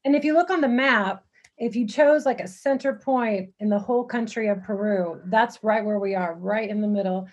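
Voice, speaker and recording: A woman's voice: mid-range voice, normal speed, breathy edge, muffled recording. A woman from Texas, a missionary guest, answering interview questions in an easygoing way with frequent fillers. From San Antonio, Texas.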